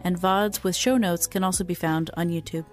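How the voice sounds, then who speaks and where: Woman announcer, measured scripted intro, soft music underneath. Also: lowish voice. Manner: even, measured reading. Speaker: show announcer. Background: faint music.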